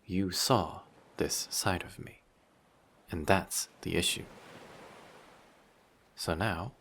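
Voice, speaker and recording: A man playing a dangerous, flirty sea monster in an intimate audio drama, speaking in a measured, quietly menacing way with formal wording. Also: sits low, gravelly, breathy edge, exaggerated voice. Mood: regretful, menacing. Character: dangerous, possessive, flirty male sea monster with fish tail.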